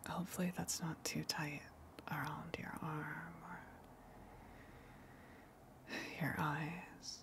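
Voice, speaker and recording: A woman voicing a gentle, shy, affectionate tentacle monster in an ASMR roleplay, in a breathy whisper with a hesitant, apologetic manner. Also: sits low, flat delivery, background noise. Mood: nervous, caring. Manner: hesitant, apologetic, soft giggles between halting phrases.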